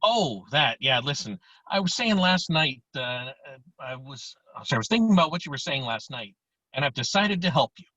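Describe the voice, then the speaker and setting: Casting: man as laid-back teen slacker pal, husky and lively in pitch, slangy table-read delivery. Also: a little fast, no room sound. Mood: deadpan, casual. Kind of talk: amateur screenplay table read. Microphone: virtual table read over video call. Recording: dull lo-fi video call audio.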